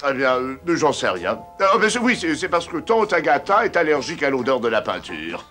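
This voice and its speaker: An actor playing an irritable, scheming uncle in a French cartoon dub, blustering and stammering. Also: male voice, medium pitch, big pitch swings, normal speed, sharp tone, faint music behind. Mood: flustered.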